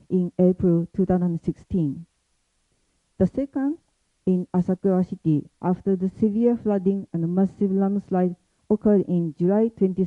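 A woman presents a prepared university report in a careful, halting way, often pausing on fillers. Her voice sits somewhat low for a woman. The recording is thin and phone-like, with a dry sound. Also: no echo. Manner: careful, hesitant delivery with many pauses and fillers.

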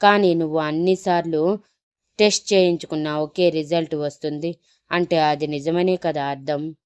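A woman's voice: sits low, a little mellow, clean tone, dry recording, lo-fi sound, close to an everyday voice. A woman voicing an apologetic, matter-of-fact doctor speaking on the phone. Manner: apologetic then briskly advising.

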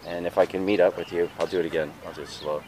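Low-voiced man touring his flea market tables. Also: steady tone, very fast, darkish tone, slight background noise. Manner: chatty, rambling. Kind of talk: casual vlog walkthrough. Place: outdoor street fair. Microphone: handheld camera.

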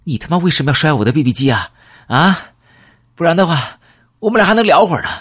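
A man voicing a brash, coarse-talking male gangster friend in an audiobook, with a husky voice. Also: fairly high pitch, very animated, fast, fairly bright tone, pitched above the performer's own voice, full character voice. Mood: mocking. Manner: coarse, mocking banter. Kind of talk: audiobook character voice.

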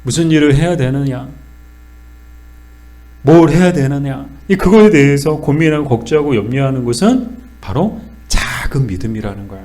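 A man's voice: mid-range voice, normal speed, dark tone. A middle-aged man teaching a church Bible study, explaining with questions and answers and acting out the lines he quotes.

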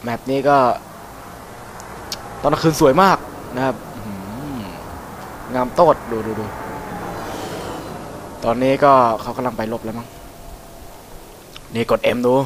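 A man's voice: medium pitch, takes it slowly, long pauses, background noise. Chatty man commenting on gameplay. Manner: chatty, swears freely, excitable whoops. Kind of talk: casual let's-play commentary.

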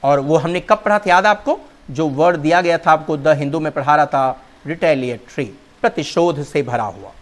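A man's voice: on the high side, normal speed, hardly any pauses. A male teacher explaining English vocabulary and spelling in Hindi, calling his students "children" and spelling words out letter by letter.

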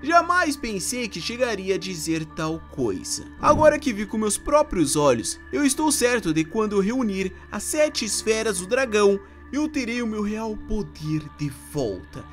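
This is an ancient demon king, cold and calculating, voiced by a man reading an anime recap. He speaks slowly and deliberately from a lowered register. The pitch still moves widely, and faint music sits underneath. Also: sing-song. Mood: cold scheming.

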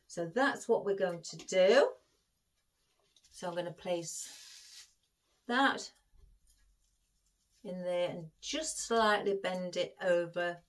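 In her tutorial, a florist talks her "guys" through building an arrangement one step at a time in a friendly, chatty way. Her voice is on the low side and slow, broken up by long pauses.

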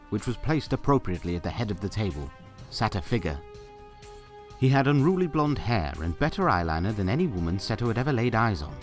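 A man narrating a fan audio drama in a playful storybook style, with wry, jokey asides. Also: fairly low pitch.

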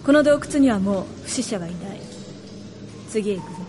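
A woman's voice: mid-range voice, lively intonation, brisk, lightly acted. A woman playing a stern, commanding warrior goddess with curt speech in a Japanese fantasy radio drama. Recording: drama with background ambience noise.

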